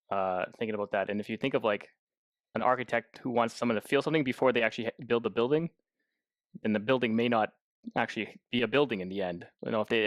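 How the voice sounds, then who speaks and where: A man's voice: mid-range voice, dry recording. A man co-hosting a podcast, interviewing in a casual, conversational way.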